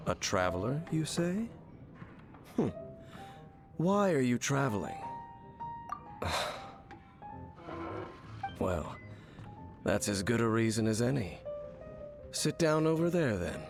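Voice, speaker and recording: An actor playing an aloof, mysterious wanderer in a video game, speaking in a cool, formal, deliberate manner. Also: male voice, mid-range voice, sing-song, creaky, music in the background, full character voice. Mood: aloof, guarded. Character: aloof, mysterious male wanderer hunting an evil order.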